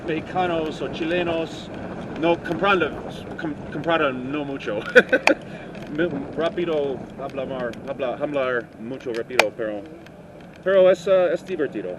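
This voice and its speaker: A higher-voiced man, a musician and songwriter whose first language is English, chats casually in halting learner's Spanish, full of fillers and restarts. He's inside a moving taxi, and the noisy recording picks up street and engine sounds.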